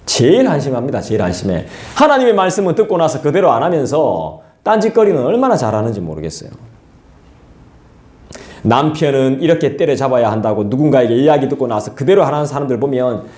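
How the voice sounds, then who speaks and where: Animated pastor preaching in echoey hall. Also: male voice, mid-range voice, fast talker. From South Korea. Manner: lively, colloquial, acts out scolding voices and asides to the congregation. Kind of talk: expository sermon. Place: church sanctuary.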